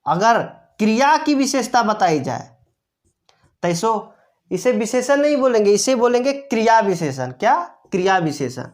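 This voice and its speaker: A woman's voice: on the high side, big pitch swings, normal speed. Woman teacher quizzing herself aloud. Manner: asks rhetorical questions and answers them herself, repeats key terms. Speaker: grammar teacher. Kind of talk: classroom-style explanation.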